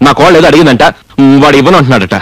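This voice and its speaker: A man's voice: fairly high pitch, animated, racing, slightly rough, no room sound, low-quality recording. An actor playing a middle-aged father who jokes, teases and gets flustered in a family comedy scene. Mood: teasing. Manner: jokey, flustered. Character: playful henpecked father, teasing his wife. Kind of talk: Telugu film comedy dialogue.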